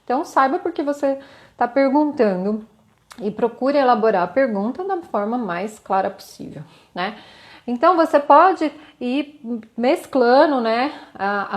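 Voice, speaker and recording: A woman with a Brazilian Portuguese accent gives a live-streamed lesson, explaining in a conversational way, tagging her points with little questions and light laughs, and answering viewer comments. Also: mid-range voice. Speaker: communication instructor.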